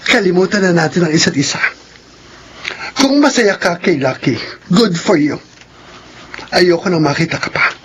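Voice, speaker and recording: A man playing a flamboyant, sharp-tongued gay man in a radio drama, with a theatrical, campy delivery. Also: sits high, lively intonation, normal speed, pauses often, slight background noise. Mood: bitter. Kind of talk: radio drama acting in Filipino soap.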